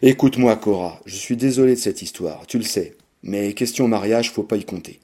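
Guy reading a cold young man in a storybook, dry clipped lines, warm dark tone, no feeling in it. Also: fairly low pitch, fairly quick, slightly rough. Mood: curt.

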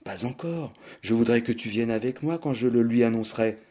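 Guy doing a quiet teary young woman in an audiobook, mellow voice, soft and pleading, begging her lover. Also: mid-range voice, brisk, close to an everyday voice.

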